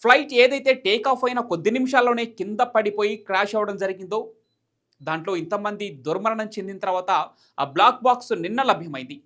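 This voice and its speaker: A male news presenter speaks rapidly in a voice that sits high, pushed and bright. He explains emphatically in a commentary style, circling back over his points.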